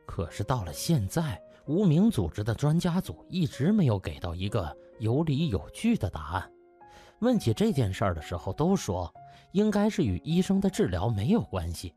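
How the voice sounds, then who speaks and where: A man's voice: mid-range voice, wildly swooping pitch, moderate pace, warm tone, faint music behind. A man narrating a novel as a dramatised audiobook.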